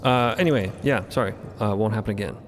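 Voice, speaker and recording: A man voicing a gruff, short-tempered woman on a ship's crew in audio fiction, with blunt, halting delivery. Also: fairly low pitch, a little hiss or hum, voice pushed down, close to an everyday voice. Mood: awkward, apologetic.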